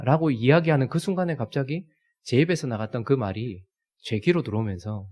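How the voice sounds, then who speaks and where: Lively storytelling pastor. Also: male voice, medium pitch. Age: 30s. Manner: storytelling, acting out scenes in lively voices. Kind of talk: sermon.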